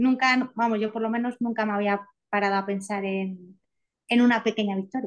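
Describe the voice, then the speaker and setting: Fairly even intonation against a quiet background. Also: woman. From Spain (Guadalajara); Spain. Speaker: real estate agent. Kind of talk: testimony. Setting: video call. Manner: halting. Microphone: video call.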